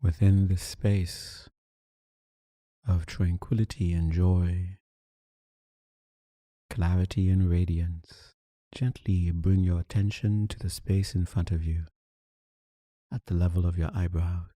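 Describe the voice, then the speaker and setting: Deep, slow, dark-voiced meditation guide, a man. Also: level tone, no room sound, studio quality. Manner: soothing, unhurried instruction with long pauses. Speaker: meditation teacher.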